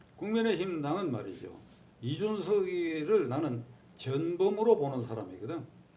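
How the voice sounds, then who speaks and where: A man's fairly high voice with very wide pitch swings, a fairly slow pace and noticeable background noise. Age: 80s+. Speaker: former politician. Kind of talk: interview answer.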